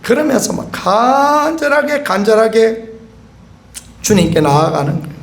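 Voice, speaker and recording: A middle-aged male pastor preaches in a high, light voice at an evening prayer meeting. His manner is earnest and pleading. He acts out voices from the story he tells and sometimes cries out with force. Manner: earnest preaching, acting out quoted voices and crying out at times. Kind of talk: sermon.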